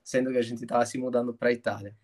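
A man's voice: mid-range voice, little pitch movement, fast, a little mellow. Hesitant Italian man, casual talk. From Italy. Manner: hesitant, full of restarts and trailing phrases. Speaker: interview guest. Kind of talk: casual conversation.

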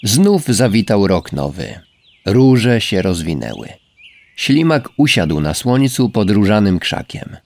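Calm, slow male storybook reader. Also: on the low side, creaky. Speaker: narrator. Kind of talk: storybook reading. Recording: faint background music.

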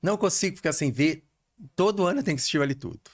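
A man from Brazil talks as a guest screenwriter in an interview. He sounds calm and reflective. His sentences often trail off quietly. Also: a little high, racing, dry recording, clean studio sound. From Brazil, Belo Horizonte. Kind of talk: interview conversation.

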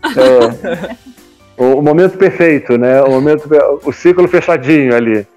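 A man's voice: fairly high pitch, normal speed, darkish tone, soft background music. A man in his fifties with a Brazilian accent, talking casually and at length as an interview guest, often tagging his points for agreement. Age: 50s. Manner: talkative, colloquial, often seeks agreement with tag questions. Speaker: guest, comics publisher. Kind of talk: casual conversational interview talk.

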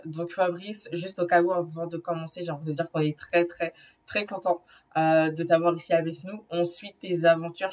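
A woman's voice: fairly low pitch, darkish tone. A woman hosting a casual live online interview, recorded on a live stream.

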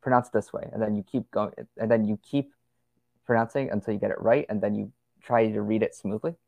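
A man's voice: on the low side, fairly even intonation, a little fast, creaky, a little mellow, dry recording. A young man as a podcast guest, chatting casually and rambling with lots of fillers and restarts. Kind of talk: casual conversational interview.

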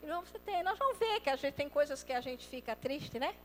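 A woman preaching a lively sermon. She acts out quoted voices and swings between loud and soft. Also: sits high, quick pace, big-room sound.

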